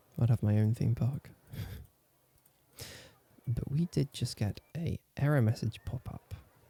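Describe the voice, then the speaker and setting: Soft-spoken and relaxed, a man talks at a fairly slow pace in a dark, mellow, somewhat breathy tone, with a dry, close sound and no echo. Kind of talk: ASMR gameplay ramble, soft-spoken talk to camera. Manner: soft-spoken, quiet, relaxed.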